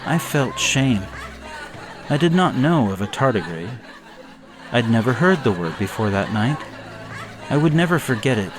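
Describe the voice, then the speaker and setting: Somber male horror story narrator. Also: mid-range voice. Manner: somber, measured, suspenseful. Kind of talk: dramatic first-person scripted narration.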